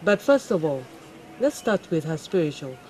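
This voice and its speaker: A woman hosting a morning talk show, steering her guests with measured questions. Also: low-pitched, very animated, dark tone.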